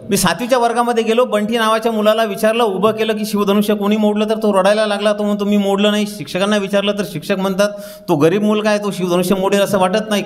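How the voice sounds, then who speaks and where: Storytelling man giving a humorous lecture. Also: sits high. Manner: storytelling, mimics characters by dropping his voice. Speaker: guest speaker. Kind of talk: humorous public lecture with anecdotes. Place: library hall.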